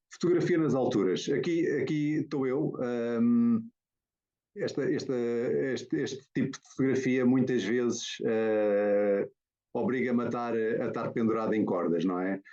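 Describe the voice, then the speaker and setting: Hesitant Portuguese man, dark muffled call. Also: on the low side. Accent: European Portuguese. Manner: hesitant, many fillers and restarts. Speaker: guest photographer. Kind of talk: presentation over a video call. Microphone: video call. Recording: dull lo-fi video call audio.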